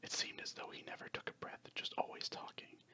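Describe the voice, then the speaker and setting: Someone narrating a story in a breathy, unvoiced ASMR whisper, hushed and scripted. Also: a little fast.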